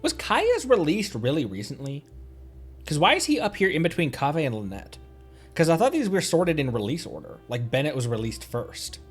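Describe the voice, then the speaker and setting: A man's voice: fairly high pitch, sing-song, normal speed, breathy edge. A man streaming a video game, chatting casually and rambling as he thinks aloud. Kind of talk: casual livestream gameplay chat. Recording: game music behind the voice. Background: soft game music.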